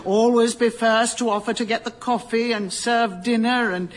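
An actress playing an imperious female airline owner who talks in a brisk, commanding way. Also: a little high, fairly even intonation, slight background noise, lightly acted.

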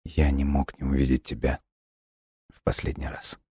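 A man voicing a gentle, dying ghost boy who speaks softly and wearily in a hushed, breathy voice. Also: a bass voice, steady tone, moderate pace, dry recording, clean studio sound. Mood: tender, hushed.

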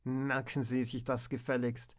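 A man voicing a gruff older bank director who speaks in a curt, commanding tone, in a storybook reading. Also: medium pitch, little pitch movement, measured pace, natural voice. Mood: stern. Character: gruff older male bank director, stern but fatherly. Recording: dull lo-fi recording.

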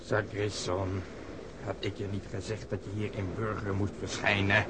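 An actor playing a blunt, sardonic, impatient police detective in a radio drama. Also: male voice, fairly low pitch, flat delivery, moderate pace, natural voice. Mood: scolding, sardonic. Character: gruff, sarcastic, impatient plainclothes police detective, male. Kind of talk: Dutch radio drama acting. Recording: noisy old radio drama recording.

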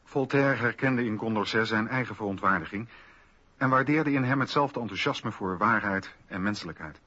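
A male narrator with a fairly low but bright, crisp-edged tone. He reads scripted radio drama narration in a measured way. The sound is slightly dull and lo-fi, with faint music. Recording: dull lo-fi old radio recording.

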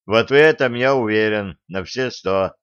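A man voicing a hot-tempered older male fencing coach who scolds loudly in an audiobook reading. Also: medium pitch, expressive, unhurried, no room sound, lo-fi sound. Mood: exasperated. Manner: scolding, loud, exasperated.

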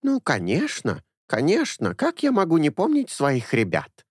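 A man's voice: a little high, wildly swooping pitch, measured pace, a little mellow, slightly rough, no room sound, clean studio sound, pitched above the performer's own voice, exaggerated voice. A man voicing a talkative old woman in her sixties, a former caretaker who rambles fondly and confidingly.

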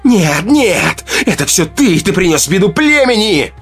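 A man voicing a frantic tribal herbalist mother who screams accusations in a shrill voice. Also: very animated, unhurried, fairly bright tone, breathy edge, faint music behind, heavily acted. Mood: furious.

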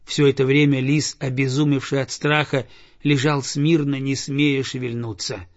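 A man reading a children's tale aloud in a measured, calm narration. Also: mid-range voice. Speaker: audiobook narrator. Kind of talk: scripted narration. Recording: dull lo-fi recording.

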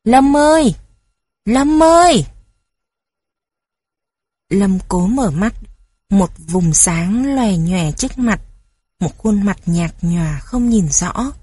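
A woman reading children's stories aloud in a gentle, even storytelling manner. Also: on the low side, slow, breathy edge, no echo, studio quality.

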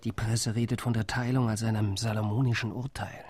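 An actor playing a defiant Arab delegate, speaking in a measured radio drama monologue. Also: male voice, on the low side, little pitch movement, darkish tone, slight background noise, close to an everyday voice. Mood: bitter. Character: Arab delegate, middle-aged man, bitter and defiant.

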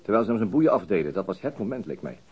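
An actor playing a weary, unflappable police detective in a radio crime drama, with a dry, laconic manner. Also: male voice, on the low side, sing-song, racing, slightly rough, lo-fi sound, full character voice. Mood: dry, composed.

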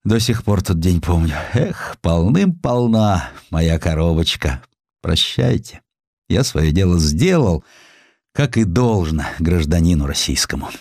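An elderly provincial collector , played by a male audiobook narrator, speaks with pride and plain old-fashioned words. He is ailing and emotive. The voice is fairly low, with wide swings in pitch. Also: very animated, a little slow, a little mellow, no echo, clean studio sound, exaggerated voice. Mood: moved, wistful.

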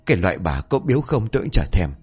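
A man's voice: low-pitched, very animated, fast talker, husky, soft background music, heavily acted. A man voicing a grumbling, flustered old village man who stammers out excuses.

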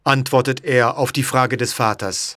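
A man reading an audiobook story in a clear, measured way. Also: mid-range voice, steady tone, pushed and bright, dry recording, clean studio sound. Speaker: narrator. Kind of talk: scripted audiobook narration.

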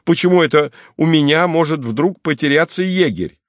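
A man's voice: normal speed, no room sound, clean studio sound, close to an everyday voice. A man doing a pompous, indignant hunter. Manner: loud, indignant, higher-pitched. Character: excitable pompous male hunter, easily offended.

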